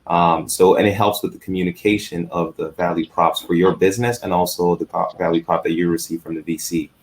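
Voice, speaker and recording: A man on an investor panel, speaking haltingly with frequent restarts. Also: sits low, fairly even intonation. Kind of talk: panel discussion.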